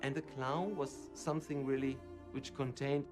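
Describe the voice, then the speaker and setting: A man, a clown performer, talking slowly and earnestly about his craft in a documentary interview. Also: medium pitch, fairly even intonation. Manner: slow, reflective, earnest. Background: soft background music.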